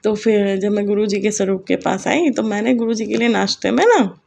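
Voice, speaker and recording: A woman's voice: mid-range voice, a little fast, creaky, darkish tone. A middle-aged woman sharing a heartfelt spiritual experience with a congregation, chatty and emotional. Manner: chatty, emotional, sings short devotional lines. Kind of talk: personal testimony to a congregation.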